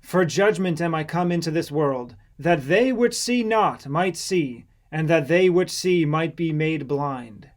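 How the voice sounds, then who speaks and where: Male narrator as a solemn, calm teacher, measured delivery, fairly high male voice, scripture audiobook.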